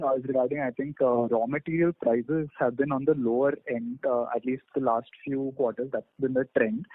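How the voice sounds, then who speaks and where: A man's voice: medium pitch, no room sound. A male research analyst politely asking questions on an earnings call over the phone. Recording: dry narrow phone line.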